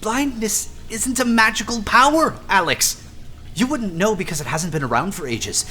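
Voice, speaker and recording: An actress playing an anxious, loyal, exasperated colleague in an audio drama, emotional and protesting. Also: female voice, medium pitch, animated, moderate pace, pushed and bright. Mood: sarcastic, scolding. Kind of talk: audio fiction acting.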